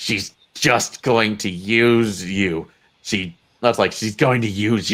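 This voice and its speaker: In a put-on character voice, someone shouts and growls in a gravelly sound at a very slow pace with fairly even intonation. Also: man, fairly low pitch for a man. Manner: screaming.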